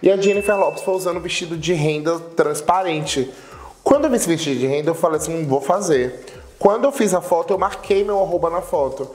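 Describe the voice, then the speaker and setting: A man's voice: a little high, fast talker, a little hiss or hum. Young man with a strong Bahian accent. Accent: Bahian Portuguese. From Salvador, Bahia, Brazil. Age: 20s. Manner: animated storytelling, gesturing with his hands. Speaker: guest, internet personality. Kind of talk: casual interview chat. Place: studio room with a sofa, indoors. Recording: echoey room.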